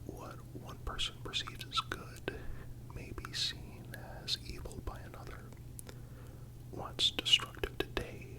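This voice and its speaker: A soothing ASMR narrator reading a scripted reflection in a breathy, unvoiced whisper, measured and deliberate. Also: rough recording.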